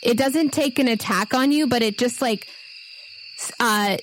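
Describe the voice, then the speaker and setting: A woman game master improvising narration for a tabletop role-playing game in a conversational, halting, descriptive way. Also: mid-range voice, low-quality recording. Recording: faint noise with night insects and owls.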